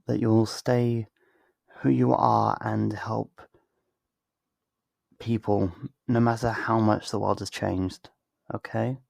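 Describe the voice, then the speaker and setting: A man playing a slow, gravelly, tender best friend. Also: lowish voice, flat delivery, a little mellow, no room sound, heavily acted. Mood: tender, earnest. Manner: slow, intimate, earnest, with sighs and pauses. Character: tender, wistful best friend saying a heartfelt goodbye. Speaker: ASMR voice actor. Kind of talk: ASMR roleplay acting. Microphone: close studio mic, dry.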